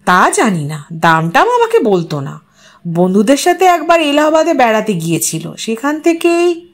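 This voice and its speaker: Audio story young wife, played by female narrator: light, coy, conversational, slightly guarded, higher voice. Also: wildly swooping pitch, moderate pace, heavily acted.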